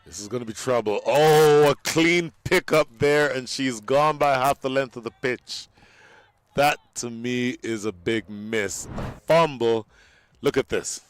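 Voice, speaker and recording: A man giving live cricket commentary, animated and joking, his voice jumping up on the big moments. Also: mid-range voice, a little slow, smooth, no room sound.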